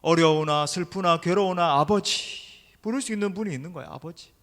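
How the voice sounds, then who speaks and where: A man's voice: on the high side, brisk, a bit bright. A middle-aged man preaching a sermon as senior pastor, speaking emphatically and directly to his congregation in a church sanctuary. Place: church sanctuary during an evening service. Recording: long reverb of a large hall.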